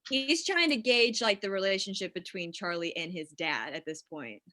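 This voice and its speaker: A woman's voice: medium pitch, lively intonation, normal speed, sharp tone, no echo, clean studio sound. A woman talking casually as a writer in a group discussion of a script. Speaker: writer in a table-read discussion. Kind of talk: casual chat.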